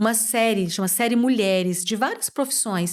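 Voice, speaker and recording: Her pitch varies in an ordinary way as this woman talks. The background is silent, and the recording very clean. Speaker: TV reporter. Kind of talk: podcast interview.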